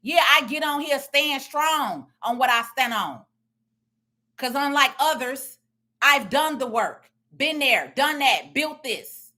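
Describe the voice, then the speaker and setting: A middle-aged woman with a loud voice and a confident, blunt way of talking, giving social media commentary as a tax and business strategist. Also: high voice, lively intonation, slow pace. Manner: confident, emphatic, plain-spoken.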